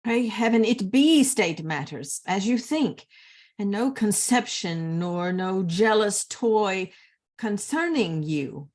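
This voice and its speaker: A worldly, cynical maidservant in Shakespearean drama, read by a woman. She takes her lines slowly at a middling pitch, measured and knowing. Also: lively intonation, a little mellow. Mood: wary, knowing. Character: worldly, cynical lady's maid, wife of soldier.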